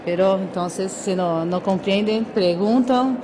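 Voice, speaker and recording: A woman with a Brazilian Portuguese accent introducing a conference speaker in careful, slow Spanish that is not her first language, restarting words often. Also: mid-range voice, noisy background. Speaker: conference moderator. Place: conference room.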